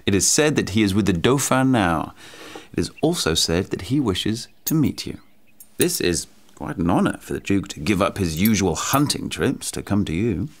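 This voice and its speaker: An actor playing a suave, well-connected royal courtier in an audio drama, smooth-talking, deferential and dryly amused. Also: male voice, fairly low pitch, sing-song, moderate pace. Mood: wry.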